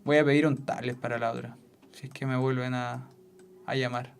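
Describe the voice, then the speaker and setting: A substitute physics teacher gives a classroom lesson at a whiteboard. The teacher repeats each key point several times, keeps checking in with the class, and laughs easily. The voice sits at a middle pitch. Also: little pitch movement, normal speed, vocal fry, clean tone.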